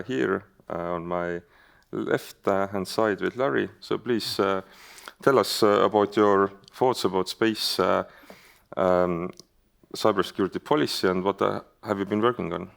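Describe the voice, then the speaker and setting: A man with an Estonian accent moderates a conference panel from the stage. His voice sits very low with a gravelly edge, yet comes through smooth and resonant. He talks haltingly, filling gaps with uh and um. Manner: hesitant, many fillers and restarts.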